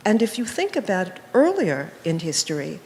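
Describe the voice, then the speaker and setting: A woman's voice: fairly low pitch, very animated, moderate pace, creaky, darkish tone, a little hiss or hum. Impassioned woman speaking from the audience. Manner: impassioned, rhetorical questions. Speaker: audience member. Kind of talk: audience comment. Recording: long hall reverb, faint ambience.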